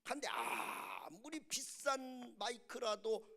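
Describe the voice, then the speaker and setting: A man's voice: extremely high pitch, slow, vocal fry. A middle-aged male pastor preaching at a revival service, telling stories vividly and calling out to the congregation. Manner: animated storyteller, calls out to congregation. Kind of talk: revival sermon.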